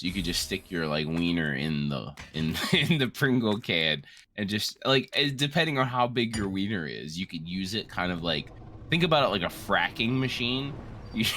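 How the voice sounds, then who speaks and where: A man in his late twenties giving casual, joking game commentary in a crude, rambling, animated way. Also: lowish voice, slight background noise. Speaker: co-host of a gaming series.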